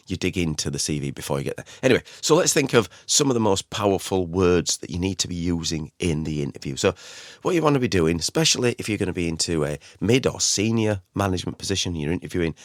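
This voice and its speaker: A middle-aged man hosts an informal solo podcast in a deep voice with a slight croak. He talks conversationally and rambles, circling back over his phrases. The sound is dry, with no room echo. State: recovering from a croaky voice. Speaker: podcast host.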